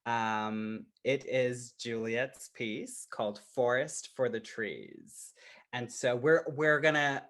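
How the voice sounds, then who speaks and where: A man's voice: medium pitch, lively intonation, takes it slowly, fairly bright tone. A man facilitating a roundtable conversationally, affirming others and thinking aloud. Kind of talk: conversational hosting.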